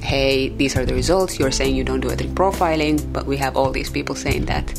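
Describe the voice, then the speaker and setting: A young woman whose first language is Somali, raised in Finland, telling her story in a relaxed, conversational way with many fillers. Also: a bass voice, a little fast, vocal fry. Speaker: interviewee. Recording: music bed underneath.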